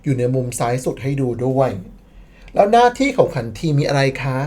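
Playful woman narrating history, mellow voice. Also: a bass voice, sing-song, fairly quick. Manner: playful, sarcastic, exclaims in mock disbelief. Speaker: channel admin narrating history commentary. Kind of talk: scripted voice-over narration.

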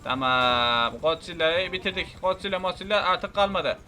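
A man narrates his video game in a high, bright voice, excited and joking, talking straight to his viewers. He often shouts as the action heats up, with faint music behind him. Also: moderate pace. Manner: shouty, playful, talks to viewers. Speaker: gaming channel host.

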